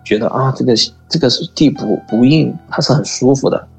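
A man calling in to tell a personal ghost story, talking in a halting, earnest way and often repeating words. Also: mid-range voice, vocal fry, a little mellow, highs cut off, faint music behind. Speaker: caller.

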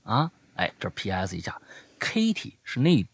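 On his podcast, a young man casually retells stories from listeners, animated throughout and whispering when the suspense builds. The fairly low voice is unhurried, with vocal fry and slight roughness, and the recording carries no room sound.

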